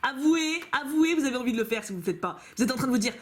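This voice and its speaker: A young woman vlogs from home on a camcorder, playfully opening fan-made cards in a casual unboxing chat. Her voice sits high, animated and racing, and she gushes and laughs often like the YouTuber she is, going through fan mail.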